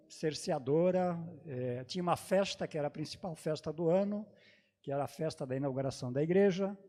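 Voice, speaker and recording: Male panelist, native German-dialect speaker, hesitant reminiscing delivery, slightly high voice. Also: dark tone. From Brazil, grew up in Santa Catarina. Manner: halting, many hesitations and restarts. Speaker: panelist at a theology congress. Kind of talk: personal recollection in a panel talk.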